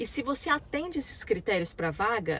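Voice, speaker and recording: A woman with a Brazilian accent, animated in tone, with lively intonation at a moderate pace. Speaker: vlogger. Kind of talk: casual vlog talk. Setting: outdoors. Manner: soft-spoken. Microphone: car Bluetooth audio, poor quality.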